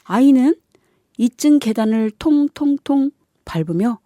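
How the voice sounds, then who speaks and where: A woman hosting a children's story program on the radio, reading in an expressive storybook manner. Her mid-pitched voice moves with lively intonation and has a soft, mellow tone. The recording is dry and close. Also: measured pace, no echo. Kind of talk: storybook narration on community radio.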